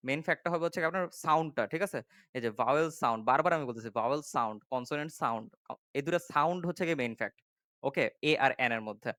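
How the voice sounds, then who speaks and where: Male tutor, smooth slightly high voice, dry close mic. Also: fairly bright tone, no echo. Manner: explains step by step, often asking "ঠিক আছে?" to check understanding. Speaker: English tutor. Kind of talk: classroom-style grammar lesson.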